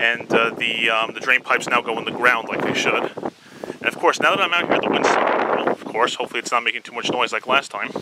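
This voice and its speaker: Over loud background noise, a man talks at a fairly quick pace with hardly any pauses. His pitch variation is ordinary, and the sound is dry with no echo. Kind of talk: casual vlog chat. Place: garden. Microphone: phone near.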